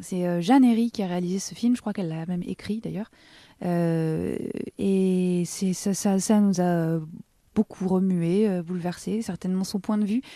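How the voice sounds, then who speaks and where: The voice has a dark, mellow tone and fairly even intonation. It goes at a fairly slow pace over a quiet background. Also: woman, medium pitch for a woman. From southern France. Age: 30s. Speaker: singer. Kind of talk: radio interview. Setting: radio studio.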